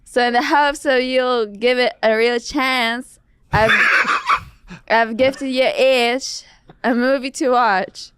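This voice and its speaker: A woman's voice: a little high, steady tone, slow, a bit bright, smooth, no echo. A young woman guest, giggling and hesitant as she reads a fan message aloud.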